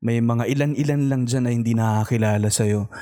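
A man's voice: medium pitch, fairly quick, warm tone. Playful male podcast host. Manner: playful, laughs often. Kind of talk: casual chat.

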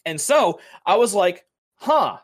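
A man's voice: on the high side, lively intonation, moderate pace, a bit bright. A young man chatting casually about tabletop role-playing games, telling a long story with lots of fillers and the odd swear word. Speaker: podcast co-host, game master.

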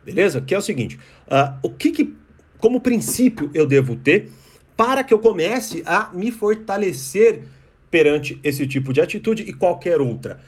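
A man's voice: high-pitched, very animated, normal speed, a little mellow, slightly rough. A man teaching an online course, talking in loose, restless bursts and often checking in with "né?" and "percebe?". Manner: acts out short sneering quotes of other people. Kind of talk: explanatory talk to camera.

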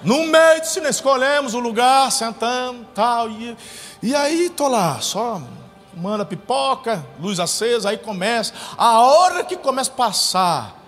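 A man's voice: very high-pitched, expressive, a little slow, a bit bright, faint music behind. Man, pastor, sermon, anecdotes with acted-out voices, long hall reverb. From Brazil. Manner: storytelling with acted-out quotes. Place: church hall.

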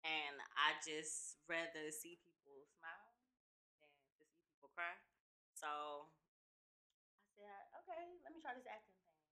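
A woman's voice: on the low side, measured pace, sharp tone. A woman with an African American Detroit accent chatting casually as a podcast guest, playful and slangy in her manner. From Detroit, Michigan, USA. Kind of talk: casual interview chat.

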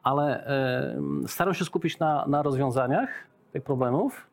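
A man's voice: on the high side, normal speed. A middle-aged man speaks as an interview guest and explains his ideas through examples. He talks in a chatty way and keeps adding a questioning "tak?" to his points. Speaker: interview guest, business owner. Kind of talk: casual business interview.

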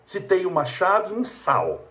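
A Brazilian man with a somewhat high voice gives a spiritual talk. He tells everyday scenes as little stories and fills them with rhetorical questions. He repeats short phrases for emphasis. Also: slow. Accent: Brazilian Portuguese. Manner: animated storytelling with rhetorical questions. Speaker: spiritual speaker.

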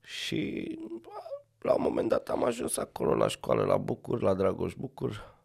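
A Romanian-accented rally co-driver and actor chats casually as a podcast guest, animated and full of slang, laughing often. His voice is low and gravelly with a breathy edge.

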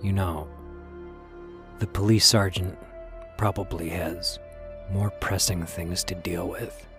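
Male narrator, low pitch, slow delivery, scripted storytelling, wry, reflective. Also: steady tone. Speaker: narrator of a fiction podcast. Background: music.

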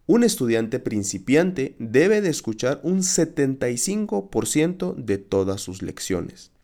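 Lively Spanish teacher man hosting a podcast. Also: mid-range voice, a little slow. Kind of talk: scripted podcast lesson.

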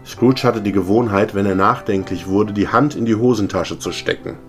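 A radio presenter reading a classic story aloud in a measured, expressive way. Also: male voice, fairly low pitch, soft background music.

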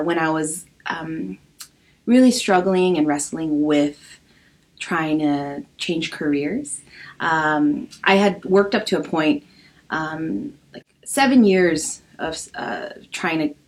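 A woman from Los Angeles in her early thirties speaks in a casual interview, her voice sitting slightly low. She talks haltingly, filling pauses with ums as she thinks aloud. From Los Angeles, USA. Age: early 30s. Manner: soft, hesitant, many pauses and ums. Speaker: podcast guest.

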